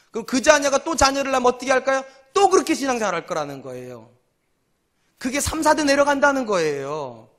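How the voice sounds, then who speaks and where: High-voiced quick-talking male pastor preaching. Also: fairly bright tone. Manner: preaching to the congregation with rhetorical questions; acts out quoted voices in short dialogues. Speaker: senior pastor. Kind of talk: sermon.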